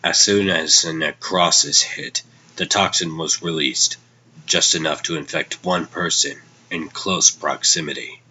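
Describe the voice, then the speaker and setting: Man playing a very deep, brooding vigilante hero. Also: fairly even intonation, bright, forceful tone, a little hiss or hum, heavily acted, poor audio. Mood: ominous. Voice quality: low, tense. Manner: grave, deliberate. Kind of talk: dramatic comic dub acting.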